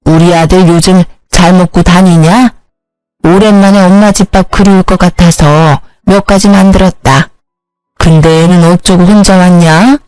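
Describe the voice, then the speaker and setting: A woman's voice: fairly low pitch, steady tone, normal speed, a little mellow, clean tone, no room sound, faint music behind, lightly acted, poor audio. Storybook mother-in-law, older, curt and prying, dry close voice, as a woman reads her. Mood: brusque. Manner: blunt, brusque questioning.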